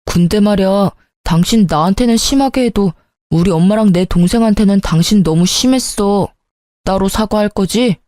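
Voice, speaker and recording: A woman's voice: mid-range voice, normal speed, mellow, no echo, clean studio sound, close to an everyday voice. A woman voicing a petty, stubborn young husband in a storybook drama, speaking in a whiny, pleading way. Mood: sulky.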